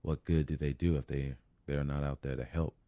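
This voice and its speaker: A man's voice: rumbling low, steady tone, brisk, warm tone, no room sound. An actor playing a weary, wry, street-smart man surviving a deadly night, muttering and sighing through an audio drama monologue. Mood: wry, confiding.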